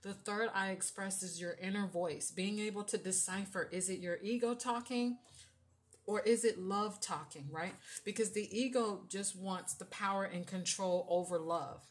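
A woman with a mid-range voice that carries, giving a relaxed tarot reading. She talks in a loose, chatty way and keeps checking in with the listener. The voice sounds like it demands attention. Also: mid-range voice, normal speed. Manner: chatty, filler-heavy, often asks "right?". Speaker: tarot reader. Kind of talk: casual spiritual reading.

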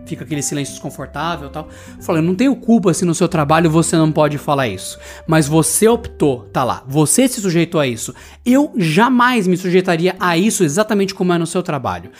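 A man's voice: on the high side, expressive, fairly quick, soft background music. Indignant, foul-mouthed Brazilian man. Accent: Brazilian Portuguese. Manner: profane, blunt and indignant. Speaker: podcast host. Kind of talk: solo podcast monologue, ranting anecdote.

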